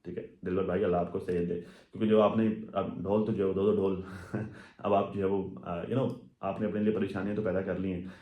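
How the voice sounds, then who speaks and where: A man's voice: fairly low pitch, a little mellow. A man giving casual, rambling commentary on social media gossip, full of fillers and asides. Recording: echoey room.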